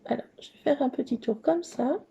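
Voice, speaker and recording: Working at a craft table, a scrapbooking channel host gushes and chats bubbly and casually, often talking to herself. She speaks fairly quickly in a high, mellow voice with vocal fry, over slight background noise.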